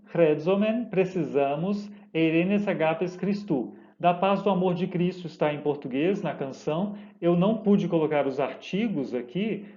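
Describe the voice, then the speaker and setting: A man's voice: fairly high pitch, dark tone, muffled recording. A man, a pastor and theology teacher, patiently explaining song lyrics line by line and often checking in with tag questions.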